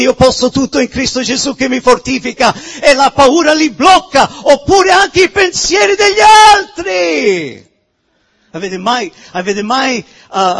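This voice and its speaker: Fervent high-voiced husky preacher man. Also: long reverb tail. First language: not Italian. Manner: fervent preaching, often shouting, with sudden drops to a hush. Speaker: pastor. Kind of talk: sermon.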